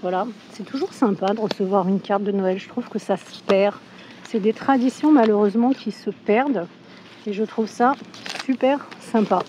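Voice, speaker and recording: Hoarse woman vlogging from a supermarket. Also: mid-range voice, normal speed, a little mellow, a little hiss or hum, low-quality recording. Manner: chatty, with frequent fillers. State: hoarse from a cold. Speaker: shopping vlogger. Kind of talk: casual store walkthrough. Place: inside a supermarket.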